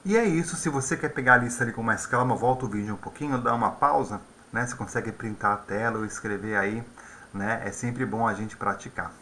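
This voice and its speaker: A man's voice: fairly low pitch, a little fast, bright, forceful tone, a little hiss or hum. A man teaching an English lesson in a conversational way, often tagging his sentences with questions. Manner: conversational, with frequent tag questions. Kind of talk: video lesson explaining vocabulary.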